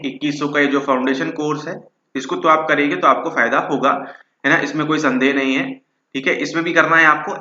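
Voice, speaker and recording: Forceful man pitching a course. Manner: keeps adding "ठीक है" and "है ना"; mixes English words into Hindi. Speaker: psychology teacher. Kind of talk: course promotion talk. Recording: roomy, slightly dull recording.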